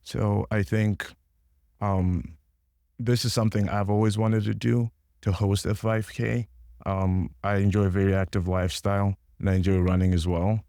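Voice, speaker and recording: A man's voice: on the low side, moderate pace, vocal fry, no room sound, clean studio sound. A young man from Congo, a student organizer, talking casually and a little hesitantly in an interview. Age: young adult. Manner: relaxed, hesitant with many ums.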